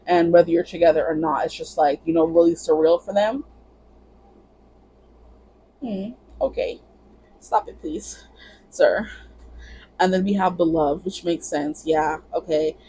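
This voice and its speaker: Husky-voiced woman giving a chatty tarot reading. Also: low-pitched, level tone, brisk, few pauses, warm tone, low-quality recording. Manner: chatty, rambling, heavy use of "like" and "you know". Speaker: tarot reader. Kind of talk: casual pick-a-card tarot reading.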